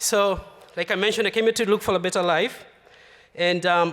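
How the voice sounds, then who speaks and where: A man with a Kenyan accent talks at a very fast pace in a high pitch with ordinary pitch variation. The recording is very clean, the background silent. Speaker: beverage company founder. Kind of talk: pitch presentation.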